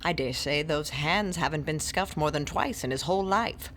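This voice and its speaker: A woman's voice: low voice, moderate pace, fairly bright tone, a little hiss or hum. A woman playing a shrewd, scholarly older classicist who tells tales and scolds her companions in a theatrical manner. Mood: puzzling. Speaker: narrator and lead character. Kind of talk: audio drama acting.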